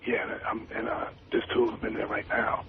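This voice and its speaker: A man's voice: fairly low pitch, completely flat delivery, fairly quick, vocal fry, background noise. A man calling in to a radio show, whispering and stammering over the phone. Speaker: caller. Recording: tinny phone line.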